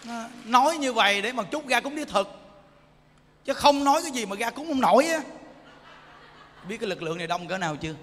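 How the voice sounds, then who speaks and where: A man giving an animated sermon as a Buddhist monk, teasing the audience and often asking them if they understand. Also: extremely high pitch, a little fast, pauses often, a little hiss or hum. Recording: echoey hall.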